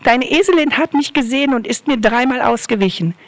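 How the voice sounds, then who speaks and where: A woman's voice: high-pitched, animated, fairly quick. A woman preacher voicing a stern, sword-bearing angel who speaks solemnly.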